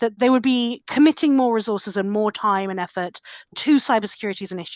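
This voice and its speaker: Against a quiet background, a woman with a British accent speaks at a fairly high pitch with ordinary variation. The sound is dry and close, with no echo. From Britain. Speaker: cybersecurity policy expert. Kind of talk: interview. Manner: casual, filler-heavy.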